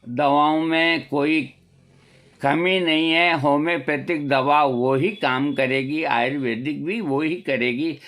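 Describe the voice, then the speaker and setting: A man's voice: fairly high pitch, fairly even intonation, takes it slowly, a bit bright. An older man giving a preachy, scolding talk with rhetorical questions, as a homeopathy vlogger. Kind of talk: moral talk to camera.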